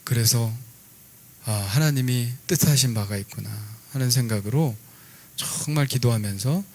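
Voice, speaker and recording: A middle-aged man, a pastor, preaching a sermon in a relaxed, conversational storytelling way with lively asides. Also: medium pitch, moderate pace.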